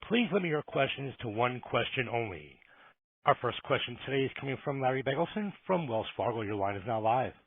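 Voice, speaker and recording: A male conference operator delivers scripted instructions formally. His voice sits at a middle pitch with a husky edge, and the narrow telephone band makes it sound thin and tinny. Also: animated, a little fast, dry recording. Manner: formal, procedural. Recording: tinny narrow phone line.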